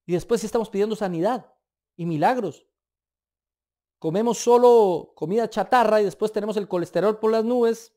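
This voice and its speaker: Colombian male preacher with a warm, mellow tone; emphatic, animated sermon delivery with casual asides. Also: sits high, moderate pace. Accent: Colombian Spanish.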